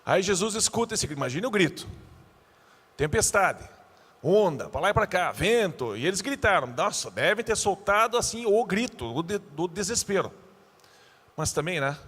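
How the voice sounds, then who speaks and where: A male pastor giving a youth sermon, animated and joking, acting out the scenes he tells. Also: high-pitched, normal speed, slightly rough, long reverb tail.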